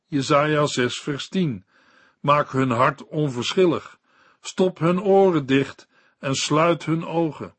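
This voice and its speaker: A man giving a scripted Bible commentary in a slow, measured reading voice. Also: fairly high pitch, fairly bright tone, no room sound.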